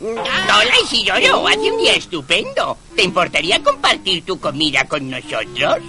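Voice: mid-range voice, huge pitch swings, normal speed. An actor voicing a chirpy, cheeky character in an overacted cartoon dub. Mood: wheedling. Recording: old TV cartoon soundtrack with music.

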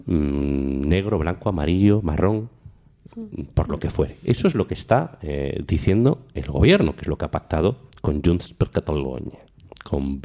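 Deep-voiced emphatic male host. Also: dark tone. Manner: emphatic, repeats himself for stress, joking. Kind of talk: casual political commentary.

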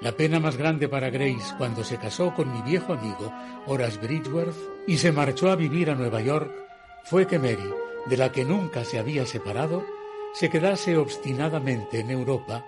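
Man playing a reflective gentleman storyteller, mid-pitched, measured literary delivery, radio play, music behind. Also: animated, natural voice. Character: reflective gentleman painter narrating his own eerie tale. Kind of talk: scripted first-person radio drama narration.

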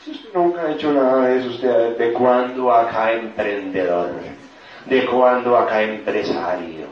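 A man's voice: fairly low pitch, fast talker, slight background noise, lightly acted. A man voicing a black wolf, the mocking inner voice of doubt, sneering and belittling. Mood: scornful. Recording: echoey hall, distant dull mic.

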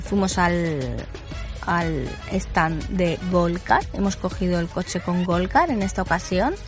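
A woman's voice: medium pitch, fairly bright tone. Upbeat woman travel vlogger. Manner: upbeat, chatty, enthusiastic. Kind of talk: casual travel vlog chat. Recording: faint music behind.

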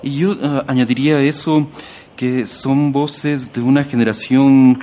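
A man hosting a conversational radio interview, asking in hesitant, halting phrases. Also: medium pitch, flat delivery, mellow. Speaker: interviewer, host.

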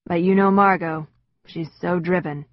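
A woman voicing a kind, sentimental middle-aged father who speaks softly. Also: on the low side, steady tone, normal speed, lo-fi sound, close to an everyday voice.

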